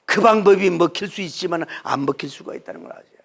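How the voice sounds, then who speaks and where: A male pastor preaching a sermon emphatically, with many rhetorical questions, swinging from loud to hushed. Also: high-pitched, fast talker, vocal fry.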